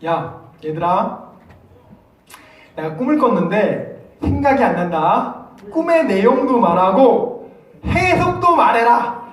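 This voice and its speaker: A man's voice: high-pitched, expressive, slow, pauses often. A man acting out a short-tempered ancient king who barks orders, heard with church echo and from a distance. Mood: commanding. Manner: barking orders. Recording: echoey church hall, voice from afar.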